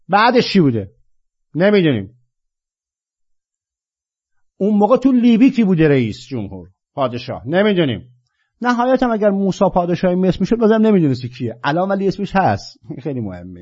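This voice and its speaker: Guy preaching, voice sits kinda high, goes quiet then loud and worked up, muffled lo-fi audio. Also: breathy edge. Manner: swings from low murmurs to loud animated bursts. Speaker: speaker giving a spiritual talk. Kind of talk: impassioned monologue. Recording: dull lo-fi recording.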